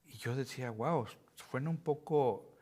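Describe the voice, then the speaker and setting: A middle-aged man with a Mexican Spanish accent leads a Bible study in an earnest teaching tone. His pitch sits in the ordinary middle range for a man. He often stumbles and restarts a word before pushing ahead with his point. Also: a little slow, a little mellow.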